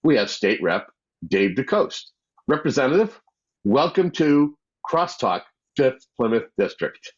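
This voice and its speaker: A man's voice: mid-range voice, sing-song, unhurried. Male host with a dull lo-fi sound. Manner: conversational, filler-heavy introductions. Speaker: talk show host. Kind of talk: community cable interview.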